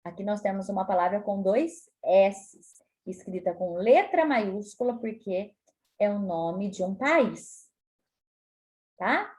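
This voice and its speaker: A woman with a Brazilian Portuguese accent teaching a spelling lesson to children, explaining patiently and stretching words out slowly. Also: medium pitch, lively intonation, a little mellow. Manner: slow, stretches words out syllable by syllable; frequent tag questions, patient explaining tone. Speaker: primary school teacher.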